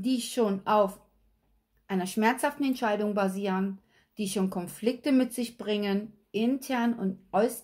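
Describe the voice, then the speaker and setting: A woman, slightly hoarse, giving a chatty tarot reading at a table and often checking in with viewers. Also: a little high. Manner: chatty, repeats okay? and addresses viewers directly. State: slightly hoarse, recovering from illness. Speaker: tarot reader. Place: at a table with cards and a candle, indoors.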